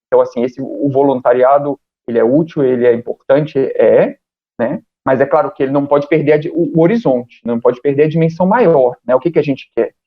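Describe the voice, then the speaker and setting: A man, speaking as a podcast guest, thinking aloud with frequent pauses and fillers. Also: medium pitch. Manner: thoughtful, hesitant, many fillers. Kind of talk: casual conversation. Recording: dull lo-fi sound.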